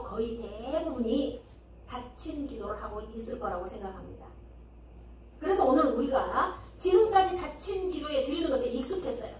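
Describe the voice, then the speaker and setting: A woman pastor with a high voice preaches in a conversational way, asking the congregation questions and acting out little quotes. Her voice carries through a very echoey church hall, picked up from some distance by the mic. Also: darkish tone, slight background noise. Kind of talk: sermon. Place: church sanctuary.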